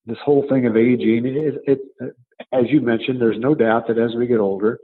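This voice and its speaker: A man in his seventies answering interview questions conversationally as a coach and author, explaining in a halting way and repeating words as he thinks. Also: mid-range voice, steady tone, slightly rough, phone-quality sound. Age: 70s.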